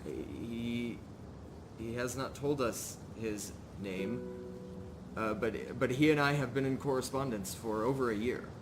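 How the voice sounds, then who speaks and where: A man's voice: medium pitch, unhurried, noisy background, natural voice. A man voicing an anxious, pleading outcast villager in a tabletop game, speaking formally with stammers and repeated words. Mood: uneasy, defensive.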